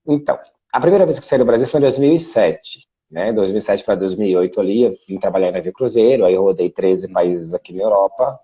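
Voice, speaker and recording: A man from Salvador with a low, mellow, slightly husky voice talks through a video call. He explains things at length, often tagging his sentences with little fillers. The sound is dull and lo-fi. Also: fast. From Brazil (Salvador, Bahia). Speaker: guest, international relations specialist. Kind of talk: casual video interview. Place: Portugal.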